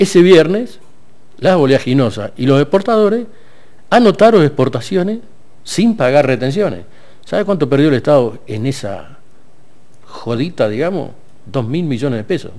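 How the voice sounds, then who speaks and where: Very wide pitch swings mark a man's dark, mellow tone. He moves at a moderate pace, with long, frequent pauses. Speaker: guest. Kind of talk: interview answer. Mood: critical, ironic. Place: studio.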